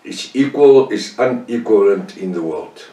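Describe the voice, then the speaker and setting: An older man from South Africa with an Afrikaans-tinged accent, leading a Bible study with slow, deliberate delivery, pausing on fillers and correcting himself. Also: on the low side, expressive, mellow, echoey room, distant mic, low-quality recording. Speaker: Bible teacher.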